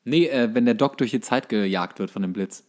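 A man's voice: medium pitch, brisk, a little mellow. A man co-hosting a podcast in casual conversation about films. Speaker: podcast co-host. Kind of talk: casual film chat.

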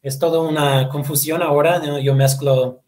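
A man's voice: fairly high pitch, steady tone, normal speed, a little mellow. A man in his thirties whose first language is Portuguese, answering webinar questions on a video call, hesitant, repeating words and ending phrases with tag questions. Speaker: guest presenter. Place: home room, indoors.

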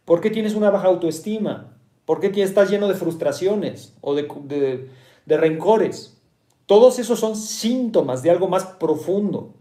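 A man's voice: high-pitched, expressive, unhurried, warm tone, echoey room. A man with a Mexican Spanish accent, a meditation teacher explaining ideas to listeners, often asking rhetorical questions, checking in with "¿sí?", and repeating key points.

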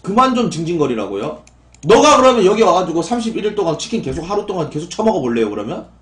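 A young man hosts a casual live stream and talks straight back to his viewers, his pitch rising and falling a lot as he answers them. His voice sits fairly high for a man. The room behind him adds a noticeable echo. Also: big pitch swings, fast talker, fairly bright tone. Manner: talks back to chat, rising into exasperated outbursts.

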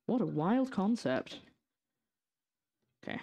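A young adult woman with a light, partly English-sounding northeast Scottish accent cooks in her kitchen while casually live-streaming, chatting jokily and throwing sarcastic asides to chat. Her medium-pitched voice is slow and mellow with big pitch swings, vocal fry, and a slight lisp from her brace.

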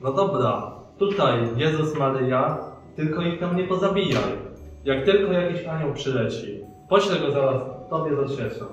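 A flustered, fretful guardian angel played by a young man frets in rhyme. His voice is fairly high and heard from far off. The hall echoes heavily, with faint noise behind. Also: animated, moderate pace, highs cut off, lightly acted. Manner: anxious, fretful rhymed verse.

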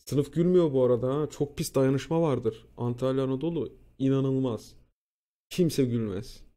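A young man casually telling a school story, animated and profane, acting out what people said. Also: medium pitch, normal speed. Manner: animated, profane, acts out quotes. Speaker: streamer.

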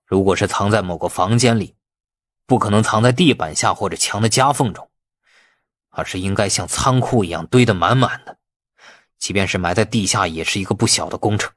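Man acting husky, blustering, irascible police chief. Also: on the low side, brisk, dry recording, close to an everyday voice. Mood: urgent, calculating. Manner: blustering, commanding.

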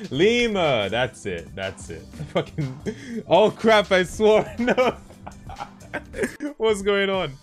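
A man reacting excitedly on a live stream, laughing often and swearing. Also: sits high, extremely slow, long pauses, soft background music.

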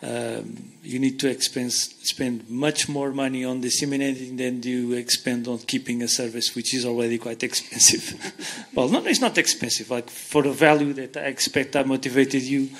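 A man's voice: medium pitch, fairly even intonation, normal speed, few pauses, fairly bright tone. Portuguese-accented man answering questions on stage. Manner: earnest, explains with hand gestures, frequent restarts. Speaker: invited speaker answering audience questions. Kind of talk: conference Q&A. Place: conference hall stage, seated in armchair. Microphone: handheld mic.

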